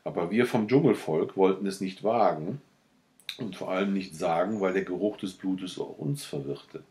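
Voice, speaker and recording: A man narrating a classic literary story as an audiobook, in a measured storytelling manner. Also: deep voice, mellow. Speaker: audiobook reader.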